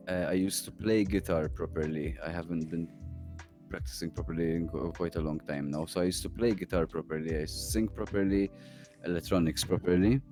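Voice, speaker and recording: A young man with a low, deep voice talks in a loose, rambling way, restarting his sentences as he laughs along. He's an interview guest discussing things casually. Faint music plays quietly underneath. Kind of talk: casual chat.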